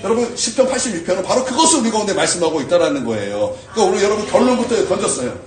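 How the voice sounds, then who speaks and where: A man preaching a sermon as pastor, animated and full of rhetorical questions to the congregation. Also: high voice, rapid-fire, far from the mic, soft background music. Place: church sanctuary. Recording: echoey church from afar.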